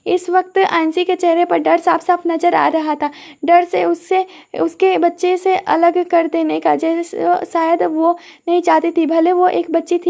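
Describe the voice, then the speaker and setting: A woman storyteller narrating an audio story in a steady, even reading. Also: very high-pitched, gravelly.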